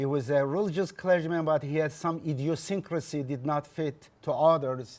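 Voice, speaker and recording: A moderate pace in a Kurdish accent, on a very clean recording with a silent background. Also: man. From Turkey, eastern town, raised in Istanbul. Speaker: philosophy professor. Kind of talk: public talk. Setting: library event with audience. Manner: halting.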